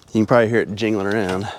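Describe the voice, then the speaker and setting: A man, stuffy and nasal from a cold, chatting casually and rambling in a folksy way as he works on a windmill outdoors. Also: lowish voice. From Oklahoma. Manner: rambling, folksy, self-deprecating. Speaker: windmill repairman. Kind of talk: casual vlog narration. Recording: noisy outdoor recording.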